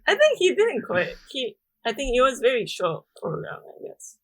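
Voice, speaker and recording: A woman's voice: high-pitched, huge pitch swings, moderate pace. Japanese-accented young woman, chatty. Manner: chatty, frequent "like" fillers, soft laughs. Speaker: guest. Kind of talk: casual podcast interview.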